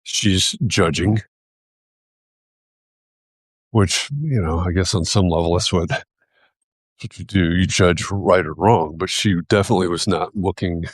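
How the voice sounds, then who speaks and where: A man with a very low voice talks thoughtfully, pausing and restarting as he searches for the right words. He sounds like a host sharing his thoughts on a live video. The sound is close and dry, with no room echo. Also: steady tone, husky. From United States. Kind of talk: reflective casual talk.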